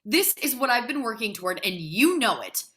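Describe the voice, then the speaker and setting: Woman as an indignant grad student, high and bright. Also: big pitch swings, brisk. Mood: scornful, angry. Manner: sarcastic, incredulous, cutting. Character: indignant young male grad student, proud and sarcastic. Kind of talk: dramatic table read.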